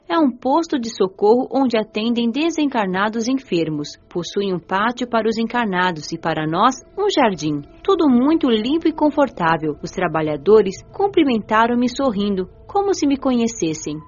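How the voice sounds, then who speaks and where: A woman playing a gentle, devout young spirit who recounts the afterlife in measured, reflective radio drama narration. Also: on the high side, sing-song, highs cut off. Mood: reflective, serene. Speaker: narrator and lead of an audio drama. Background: music.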